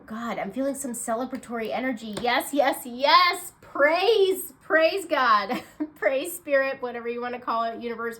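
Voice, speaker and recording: Stuffed-up, nasal, chatty woman. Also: fairly high pitch. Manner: bubbly, chatty, many fillers, bursts of excitement. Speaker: intuitive card reader. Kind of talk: casual tarot reading chat.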